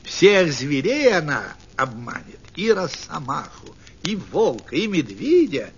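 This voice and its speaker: A man reads a folk tale aloud with a high, gravelly voice. His telling is animated and swoops widely in pitch. The recording sounds slightly dull, with a faint hiss underneath. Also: slow pace. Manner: animated, expressive. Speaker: storyteller.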